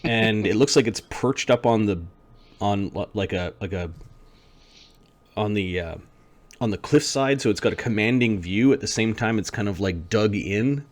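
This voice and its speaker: A man improvising narration as a tabletop game master, feeling his way haltingly through descriptions. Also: lowish voice.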